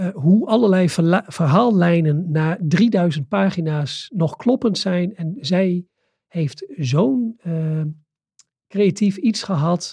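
A man with a dark, mellow tone and high pitch, at a very slow pace with ordinary pitch variation. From Drenthe, northern Netherlands. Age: 50s. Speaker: research organisation director. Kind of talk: interview. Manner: hesitant, many filler sounds.

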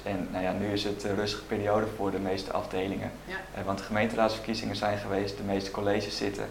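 Very fast speech amid noticeable background noise and audible room echo. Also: man. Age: 20s. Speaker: political party staff adviser. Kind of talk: interview. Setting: party office, shared microphone line.

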